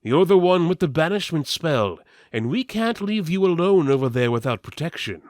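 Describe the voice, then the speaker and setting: A man's voice: a little high, expressive, normal speed, darkish tone, dry recording, studio quality, pitched above the performer's own voice, lightly acted. A man voicing a stern, commanding warrior leader in a fantasy story, terse and bossy. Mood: firm command.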